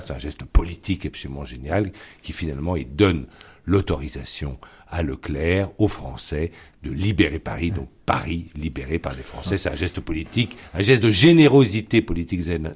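Brief: male guest, very low, husky voice, halting speech with frequent pauses. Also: lively intonation. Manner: hesitant, many fillers. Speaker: journalist, debate guest. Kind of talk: radio debate discussion.

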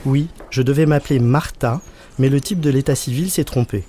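A man's voice: medium pitch, normal speed, warm tone, a little hiss or hum, lightly acted. A man voicing a chatty, friendly little schoolgirl. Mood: eager. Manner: eager and friendly.

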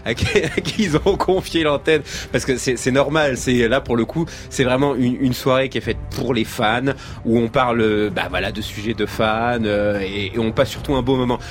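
A man's voice: mid-range voice, normal speed, few pauses, faint music behind. Brief: male radio host, late-night studio show, playful and loose, keeps repeating words when he gets going. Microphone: studio microphone.

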